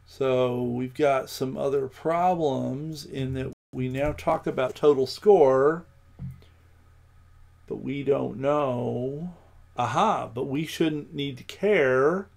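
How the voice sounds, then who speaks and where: A man with a gravelly, creaky voice talks slowly through live code. He thinks aloud, breaks off into ums and picks his words as he goes. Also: medium pitch. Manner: thinking aloud, many ums, slow halting speech. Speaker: programming livestream host. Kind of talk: live coding with commentary.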